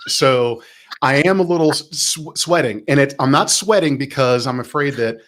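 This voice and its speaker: A man hosts a relaxed podcast with a plain mid-range voice. He jokes and plays up sarcasm. He talks from a small room at home. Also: mid-range voice, moderate pace. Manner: jokey, laughs often, sarcastic. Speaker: podcast host. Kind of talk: casual chat. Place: small hot room with green screen.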